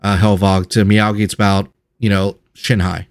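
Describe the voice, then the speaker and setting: A man's voice: fairly low pitch, level tone, normal speed, clean tone, no echo. Man running a tabletop game, dry close mic. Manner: rambling, self-correcting descriptions. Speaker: game master. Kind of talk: narrating a tabletop game session.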